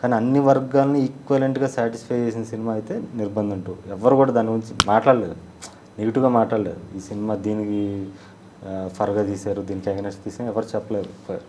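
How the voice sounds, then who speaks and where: A man's voice: lowish voice, steady tone, brisk, darkish tone, slight background noise. A man, a film director and actor, answering interview questions in a blunt, self-assured and emphatic way.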